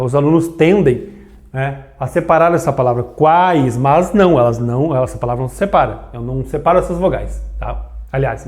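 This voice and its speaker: A man teaching a grammar lesson at a board, animated and drawing words out for emphasis while checking in with his students. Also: fairly high pitch. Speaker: Portuguese teacher.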